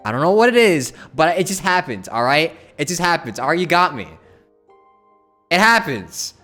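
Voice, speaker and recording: A man's voice: fairly high pitch, very animated, moderate pace, bright, forceful tone. A man chatting casually while streaming a game, rambling, repeating himself and swearing. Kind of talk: casual live game commentary. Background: game music.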